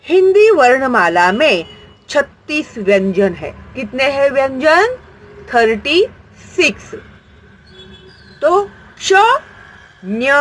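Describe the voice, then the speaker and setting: A woman's voice: sits high, breathy edge, poor audio. A woman teaching a grammar lesson, patient and explanatory, asking questions and answering them herself.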